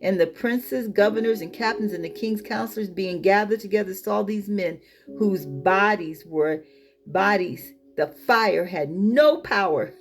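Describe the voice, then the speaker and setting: A woman's voice: medium pitch, unhurried, faint music behind. A woman reading scripture aloud as a Bible teacher, breaking off into informal, emphatic comments of her own. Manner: colloquial, emphatic asides.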